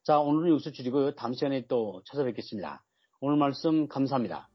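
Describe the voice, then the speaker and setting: A man's voice: mid-range voice, lively intonation, quick pace, breathy edge, no room sound, muffled recording. A man from North Korea working as a public radio host, presenting an interview program and addressing listeners.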